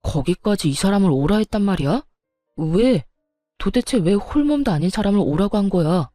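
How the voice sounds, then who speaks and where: An exasperated young husband shouts at his own mother in a storybook drama, as a woman narrator plays him. The voice stays warm and mellow in a dry close recording. Faint music runs beneath. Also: medium pitch, lively intonation, normal speed, no echo, lightly acted. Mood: confronting.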